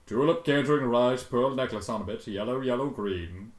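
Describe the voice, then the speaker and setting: A man voicing a professionally bored female pony receptionist in a storybook reading, sharp and official. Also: mid-range voice, normal speed, roomy sound, natural voice.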